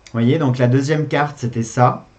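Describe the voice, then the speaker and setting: A man's voice: medium pitch, fairly even intonation, normal speed, highs cut off. A man hosting a gaming video, giving casual commentary on a board game as he plays, thinking aloud with hesitations and repeats.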